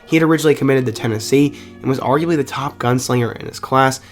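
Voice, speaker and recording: A man's voice: mid-range voice, fast, soft background music. Man narrating a college football video. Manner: upbeat, conversational fan narration. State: recovering from the flu. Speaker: YouTube sports video host.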